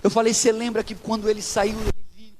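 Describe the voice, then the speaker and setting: A man's voice: high-pitched, level tone, fast talker, darkish tone. A male pastor with a Brazilian Portuguese accent preaching a sermon, acting out the people in his stories as he goes. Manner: preaching with rising intensity, acting out quoted dialogue.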